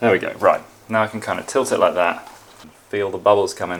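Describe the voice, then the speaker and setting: The speaker talks at a fairly quick pace with a British accent. Noticeable background noise runs underneath. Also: man. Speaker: PC builder, video host. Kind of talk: build tutorial narration. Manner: soft-spoken.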